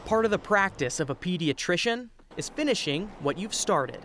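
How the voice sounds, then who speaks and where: A man narrating a news voice-over in a scripted, even delivery. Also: high voice, normal speed, noisy background. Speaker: news reporter.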